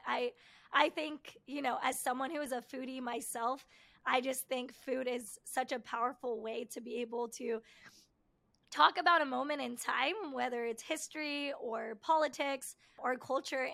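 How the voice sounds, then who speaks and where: A bubbly woman hosts an interview podcast, her voice sitting high. She talks with eager enthusiasm, peppered with "you know" fillers. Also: fairly even intonation, normal speed, bright, forceful tone. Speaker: podcast host.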